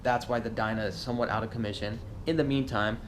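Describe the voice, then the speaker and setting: A man's voice: medium pitch, steady tone, fast talker. A man giving a casual, slangy vlog update to his viewers. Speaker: motovlogger. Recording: faint background noise.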